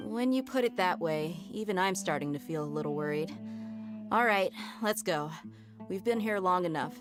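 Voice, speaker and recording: Woman playing a low-voiced fiery warrior woman. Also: lively intonation, normal speed, natural voice. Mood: restless. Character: confident, fiery young female warrior, eager to fight. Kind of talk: video game voice acting. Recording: music behind the voice.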